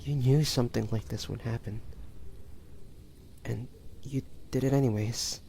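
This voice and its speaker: A young hunter acted by a man speaks slowly and haltingly, with a gravelly creak in his voice. He is weary, vulnerable and tenderly devoted, as suits an intimate romantic audio drama. A faint hiss sits behind the voice. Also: mid-range voice, fairly even intonation, warm tone. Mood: hesitant, wondering. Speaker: amateur voice actor.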